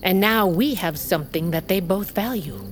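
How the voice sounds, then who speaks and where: A woman's voice: medium pitch, moderate pace, natural voice. An actress playing a proud, hard tribal queen who gives firm orders in an audio drama. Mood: scheming. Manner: authoritative, clipped commands. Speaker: queen of a wolf tribe.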